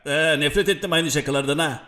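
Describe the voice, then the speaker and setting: A man's voice: fairly high pitch, quick pace, sharp tone. A man voicing a sly, grumbling male house cat who whines and mocks. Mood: whiny. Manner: grumbling, whiny, mocking. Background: music.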